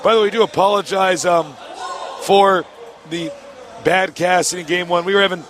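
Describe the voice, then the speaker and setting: A hoarse man casting esports as co-host, joking and upbeat in an exhibition hall. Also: sits high, fairly bright tone, some chatter behind. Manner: joking, upbeat, quick asides. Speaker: co-caster and host. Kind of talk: casual esports casting banter. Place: exhibition hall stage area.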